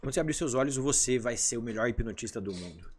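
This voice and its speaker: A man's voice: mid-range voice, quick pace, a little hiss or hum. A man who works as a hypnotherapist, guest on a podcast, telling stories animatedly and acting out the dialogue in casual chat. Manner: animated storyteller, acts out dialogue.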